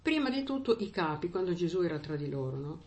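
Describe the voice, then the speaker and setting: A woman's voice: fairly low pitch, big pitch swings, quick pace, darkish tone. A woman preaching a sermon in a conversational way, often checking in with her listeners with little asides.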